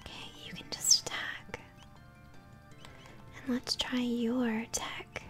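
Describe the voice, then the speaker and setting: A young woman whispering gently as she hosts an ASMR let's-play, commenting on a game. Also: fairly high pitch, level tone, slow, faint music behind. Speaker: host, gamer. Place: small room at home, indoors.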